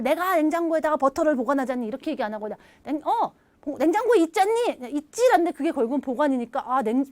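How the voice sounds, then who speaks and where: A high-pitched woman delivers an English grammar lesson with animated energy, coaxing students to repeat sentences after her. The sound is dry and close, with no room behind it. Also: no room sound. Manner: lively, animated, leads repeat-after-me drills; acts out little dialogue lines in playful voices. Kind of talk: recorded video lecture.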